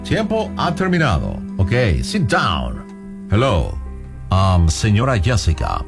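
A man's voice: fairly low pitch, huge pitch swings, slow, vocal fry, over music. A man working as a detention official, speaking formally and hesitantly, switching between English and Spanish.

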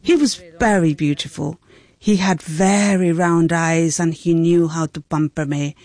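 A woman's voice: sits low, a little slow, darkish tone, no echo. Woman giving translated voice-over. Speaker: voice-over interpreter. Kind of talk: first-person translation voice-over.

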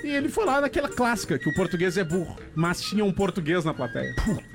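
A man with a southern Brazilian accent telling jokes casually as a radio co-host, in a halting, rambling way. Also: high-pitched, expressive, gravelly. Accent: southern Brazilian, gaúcho. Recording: music playing behind the voice.

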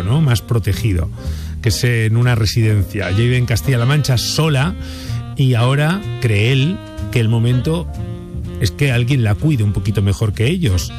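A man hosting a radio show, retelling a listener's story and putting questions to the audience in a conversational way. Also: mid-range voice. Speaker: radio host. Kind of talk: late-night radio hosting. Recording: radio studio with guitar music underneath.

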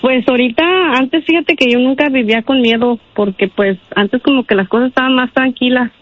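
A woman from Guanajuato telling her story modestly on a radio call-in, often pausing with small fillers. Her voice comes through a tinny, dry phone line. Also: sits high, dry recording. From Guanajuato, Mexico. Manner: modest, hesitant, many "pues". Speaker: caller.

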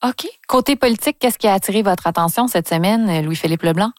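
A woman hosting a radio interview, asking brisk, friendly questions. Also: medium pitch, no echo. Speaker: radio host.

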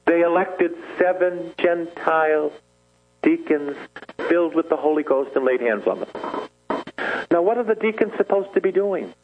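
A priest preaching to radio listeners, retelling scripture stories with mimicked voices and then leading a long repeated prayer. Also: male voice, fairly high pitch, normal speed, a little hiss or hum. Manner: storytelling preaching, mimics voices, prays in repeated invocations and tongues. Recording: tinny lo-fi radio broadcast.

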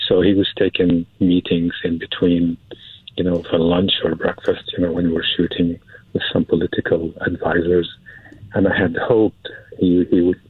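A man phones into a radio program in a very low, monotone voice with a husky grain. The line is thin and tinny, like an old telephone, with no room sound around him. He stumbles and circles back, repeating the same word several times before he moves on. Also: no echo. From Syria. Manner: halting, repeats words, restarts often; nervous. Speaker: caller. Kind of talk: call-in radio conversation.

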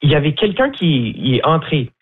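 A man's voice: a little high, sing-song, brisk, breathy edge. A young man from Newfoundland, a bilingual guide at a botanical garden, answering interview questions in a chatty, hesitant way with many fillers. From Newfoundland, Canada. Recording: tinny phone line.

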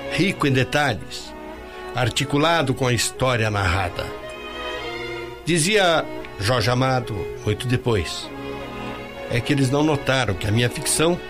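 Male TV narrator, formal measured read, music bed clearly under the voice. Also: mid-range voice. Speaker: news narrator. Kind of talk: scripted documentary narration.

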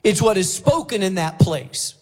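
A man from Spain preaching a sermon as a pastor, emphatic, deliberate and teacherly. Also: high-pitched, sing-song, darkish tone. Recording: reverberant hall, faint music.

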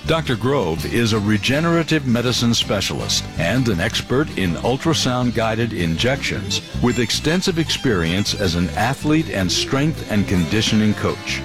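A man's voice: fairly low pitch, big pitch swings, moderate pace, hardly any pauses. Male announcer over guitar music. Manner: polished promotional read. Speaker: show announcer.

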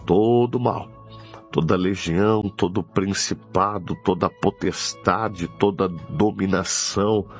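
A Brazilian man prays fervently in a very slow, deliberate delivery. His voice is markedly gravelly, and he pleads in repeated phrases and devotional interjections. Faint music plays behind the preacher. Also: low-pitched. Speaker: preacher leading prayer. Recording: dull lo-fi audio with music behind.

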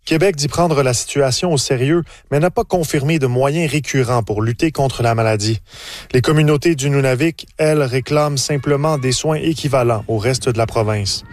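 Man, radio reporter, scripted report, even clear voice, mid pitch. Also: moderate pace, dry recording.

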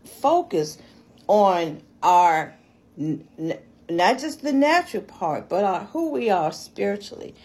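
A woman's voice: mid-range voice, big pitch swings, slow pace, a little mellow. A woman co-hosting a Christian talk show, teaching conversationally and affirming her partner often. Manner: affirming, frequent murmured agreement.

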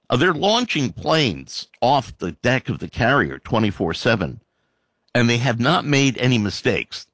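A man filling in as a talk radio host, chatting casually with a deep voice and loose asides. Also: fairly bright tone, no room sound. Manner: loose, conversational, with fillers and asides.

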